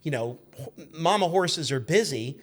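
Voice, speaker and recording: Higher-voiced man in his fifties, chatty storyteller. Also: animated, moderate pace. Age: 50s. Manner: chatty, acts out quoted shouts. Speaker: podcast guest, magazine editor. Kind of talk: animated anecdote storytelling.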